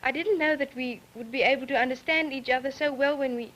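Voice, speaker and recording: A woman's voice: high-pitched, fast, a bit bright, dull audio. A teenage woman from South Africa with a South African accent, speaking earnestly as a student panelist. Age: late teens.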